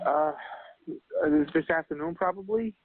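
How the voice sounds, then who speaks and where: A male caller speaks on a tinny phone line with plenty of noise. He is flustered and halting, doubling back and repeating himself as he talks to an emergency operator. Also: a little high. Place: restaurant, over the phone.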